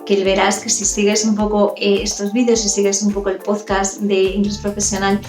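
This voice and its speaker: A woman's voice: medium pitch, completely flat delivery, normal speed, darkish tone, echoey room, soft background music. A woman teaching English pronunciation, explaining and demonstrating sounds and often checking in with the listener. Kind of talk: explanatory lesson.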